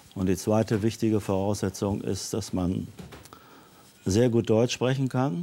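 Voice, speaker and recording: A man speaks at a fairly slow pace. His pitch is fairly low, with ordinary variation. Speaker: member of parliament. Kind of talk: panel discussion.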